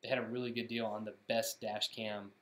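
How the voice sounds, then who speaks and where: A man's voice: on the low side, little pitch movement, brisk, fairly bright tone, slight background noise. Easygoing man in a roomy echo. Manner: rambling, easygoing, jokey. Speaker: live stream co-host. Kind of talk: casual live-stream chat.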